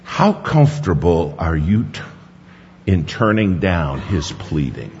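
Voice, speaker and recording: Slow dramatic preacher man, voice jumps all over, long hall echo, dull sound w faint hiss. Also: sing-song. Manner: emphatic, swings from hushed low lines to sudden high stresses. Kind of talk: sermon. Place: large conference hall.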